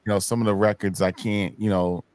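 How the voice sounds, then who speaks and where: A man hosts a laid-back hip hop talk show in a somewhat low voice. He rambles and repeats himself as he chats. The sound is dry and close. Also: steady tone, a little fast, darkish tone, clear, resonant tone, no room sound. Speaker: podcast host. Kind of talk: casual chat.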